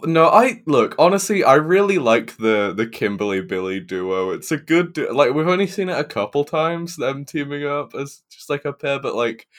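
Blunt, sweary man with lively pitch. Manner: blunt, sweary, quick to laugh. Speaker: podcast co-host. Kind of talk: casual chat.

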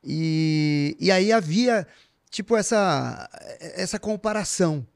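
A man's voice: fairly high pitch, expressive, slow pace, gravelly. A man, chatting casually about his work as a voice actor. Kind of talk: casual chat.

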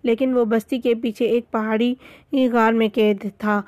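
A woman's voice: on the high side, flat delivery, darkish tone, no echo, lightly acted. A woman voicing a boastful, teasing male jungle monkey in a read-aloud storybook.

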